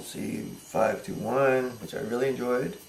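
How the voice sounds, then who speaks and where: A man mumbles at a fairly slow pace in a medium pitch, with lively intonation. Noticeable background noise is present. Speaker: computer repair hobbyist. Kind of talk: casual talk to camera. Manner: mumbling.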